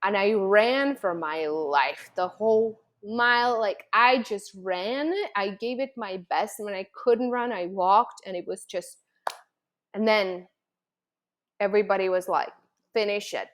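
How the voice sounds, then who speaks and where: A woman from the Czech Republic, talking casually to viewers as a coach, telling personal stories in a chatty, animated way full of "like"s. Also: medium pitch, measured pace. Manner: chatty, animated storytelling with many "like"s.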